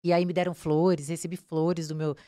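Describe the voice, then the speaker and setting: At a moderate pace and in a low voice, a woman crime reporter with a Brazilian accent recounts her story in a relaxed interview, animatedly acting out the things people said to her. The audio is studio quality, with no room sound.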